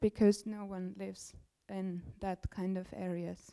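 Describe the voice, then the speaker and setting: A woman's dark, mellow voice with an Armenian accent, in a dry, close sound with no echo. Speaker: summer school participant. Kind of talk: seminar discussion. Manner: halting.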